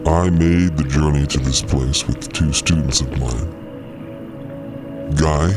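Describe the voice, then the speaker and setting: A man playing a strange liquid creature, a grave and grieving teacher who speaks haltingly and somberly in an audio drama. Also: extremely low pitch, steady tone, over music, full character voice. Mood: solemn, halting. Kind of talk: acted audio drama dialogue.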